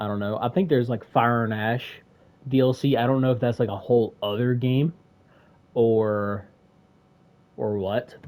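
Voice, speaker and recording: The speech comes at a moderate pace with fairly even intonation. The words are mumbled. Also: man. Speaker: gaming youtuber. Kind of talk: casual video game review. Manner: mumbling; halting, many fillers.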